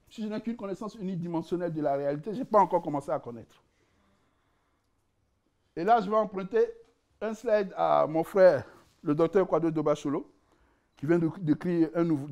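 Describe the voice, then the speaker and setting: A man giving a conference lecture, animated and joking, often repeating words as he searches for the right phrasing. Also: high-pitched. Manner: animated, jokes, laughs at own asides. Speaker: conference speaker presenting his book.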